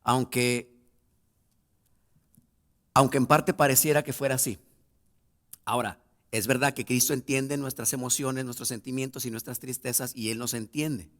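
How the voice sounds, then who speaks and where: A male pastor preaching a sermon, reading scripture aloud and swelling into loud, emphatic passages as he addresses the congregation. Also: mid-range voice, fairly even intonation, moderate pace, pauses often. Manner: addresses the congregation directly as brothers.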